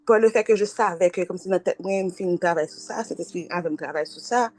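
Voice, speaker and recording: A woman's voice: fairly low pitch, fast, darkish tone, poor audio. A woman giving an informal, conversational sermon as a prayer leader. She switches between languages, laughs often and acts out quoted exchanges. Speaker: preacher leading midday prayer. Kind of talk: informal sermon, mixing Creole, French and English.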